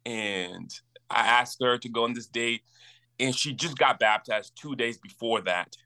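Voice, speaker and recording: A man in his twenties from Liberia, a campus minister telling his story as a guest in a casual interview, earnest and animated. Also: medium pitch, unhurried. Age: 20s.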